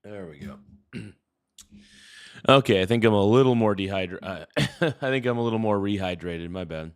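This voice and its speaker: Chill guy streaming and chatting, lowish voice, smooth and clean, calls everyone dude. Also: moderate pace. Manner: laid-back, peppers talk with "dude" and "brother". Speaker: livestream host. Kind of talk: casual livestream chat while gaming.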